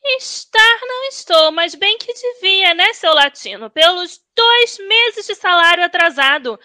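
A woman's voice: very high-pitched, sing-song, measured pace, sharp tone, heavily acted. A woman with a Brazilian accent acting a cheeky, insolent royal maidservant in a comic audio drama. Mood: indignant. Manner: sarcastic, cheeky. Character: insolent, sassy royal maidservant, complaining to her king.

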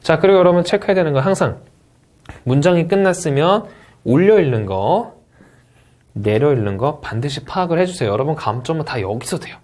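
In a recorded English test-prep lecture, a man speaks with lively, animated energy, his pitch swinging widely. He stretches out the English practice words slowly and deliberately.

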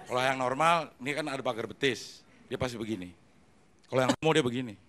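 A man's voice: medium pitch, fast, heavy background noise. A middle-aged man hosting a stand-up comedy show on stage, joking and teasing the comics. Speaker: host. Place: TV studio stage with live audience. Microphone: handheld mic. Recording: loud crowd and music behind. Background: loud audience laughter and music.

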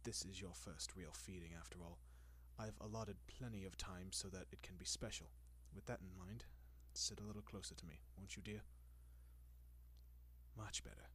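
A man playing a doting, possessive centuries-old vampire in an intimate roleplay audio, speaking in a genteel, coaxing manner with lingering pauses. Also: deep voice, fairly even intonation, a bit bright, slight background noise. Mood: courteous, coaxing.

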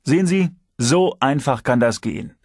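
A man's voice: moderate pace, husky, no echo. Male reader playing a teasing ex-cop security chief, lifts his voice, dry audiobook sound. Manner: lively, teasing, raised pitch. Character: shrewd, moralizing male security chief, ex-detective.

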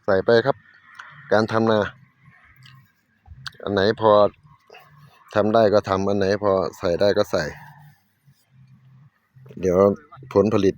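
A man's voice: deep voice, darkish tone, lo-fi sound. A man with a northeastern Thai Isan accent, chatting casually as a farmer filming a vlog. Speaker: farmer vlogger.

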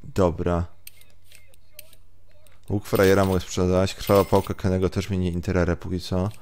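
Low-voiced man doing gameplay commentary. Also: level tone, moderate pace, a little mellow. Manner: muttering, sweary, slips into English. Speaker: let's play host. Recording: game music behind.

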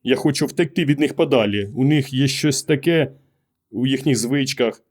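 A man reading an audiobook, voicing a quiet, withdrawn husband who gives terse, hesitant, muttered answers. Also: medium pitch, normal speed, lightly acted. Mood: evasive. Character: quiet, withdrawn middle-aged husband, evasive. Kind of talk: audiobook character voice.

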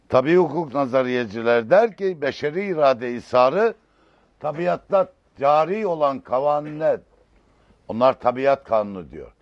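Male religious lecturer, raised pitch, emphatic and scholarly, dry dull recording. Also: no echo. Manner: emphatic, rising and falling delivery; learned, old-fashioned vocabulary.

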